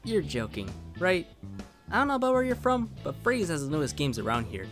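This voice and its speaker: A woman's voice: fairly low pitch, big pitch swings, a little fast, over music. A woman voicing an easygoing, friendly boy in a dramatic story reading, with a casual, slangy delivery. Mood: casual, curious. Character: easygoing, friendly 1980s kid, a confident boy.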